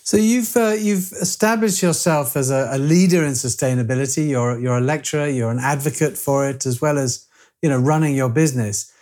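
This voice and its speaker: A man's voice: mid-range voice, fairly quick, darkish tone. A man hosting a podcast interview, asking inquisitive questions and often restarting them. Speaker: podcast host.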